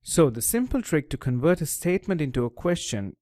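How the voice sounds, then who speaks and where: Male tutor, scripted voice-over, lively intonation, methodical delivery, dry close mic. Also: a little high, brisk, no echo. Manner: clear, methodical explaining. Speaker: language teacher.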